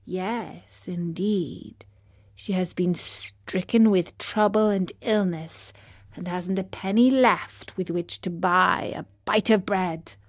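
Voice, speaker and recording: Storybook snail, low and slow, calm and hushed, as a woman reads her. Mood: somber.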